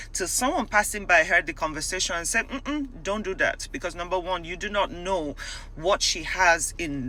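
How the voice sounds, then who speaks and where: The speaker uses a raised, projected voice with lively intonation. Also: man. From Nigeria. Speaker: talk show host. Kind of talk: storytelling commentary.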